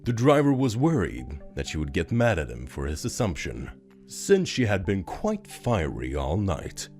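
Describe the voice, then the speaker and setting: Casting: male storyteller with a very low, animated voice, narrating scripted fiction over soft music. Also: measured pace.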